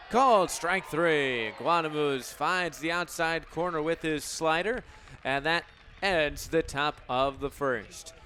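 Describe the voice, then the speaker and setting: A man's voice: fairly high pitch, sharp tone, slight background noise. A young American man in his twenties calling baseball play-by-play for radio in clipped, descriptive phrases. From United States. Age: 20s. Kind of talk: radio sports commentary.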